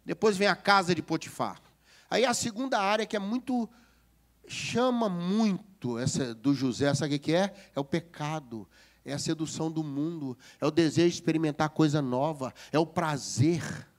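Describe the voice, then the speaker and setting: Joking his way through a funny sermon, a pastor with a Brazilian Portuguese accent speaks at normal speed in a fairly high voice. He keeps checking whether the congregation agrees with him.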